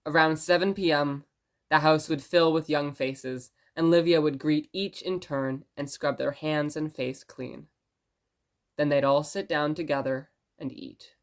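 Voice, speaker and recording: Female fictional radio host: lowish voice, gentle storyteller, prone to musing tangents. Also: steady tone, unhurried. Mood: gentle storytelling. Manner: musing, conversational. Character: rambling, gentle blind radio station host. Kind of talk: storytelling radio monologue in audio drama.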